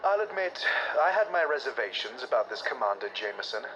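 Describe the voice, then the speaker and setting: Casting: man as cynical military schemer, mid-pitched, lively intonation, calculating, game log with clear noise. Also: brisk, lightly acted. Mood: cynical, scheming. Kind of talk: acted sci-fi game audio log. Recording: noisy radio-style audio log.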